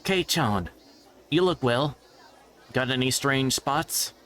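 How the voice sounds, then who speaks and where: Man doing a breezy teenage schoolgirl, pitched up. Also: animated, slow, fairly bright tone, some chatter behind. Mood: teasing. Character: breezy, teasing teenage schoolgirl in a visual novel. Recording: background music.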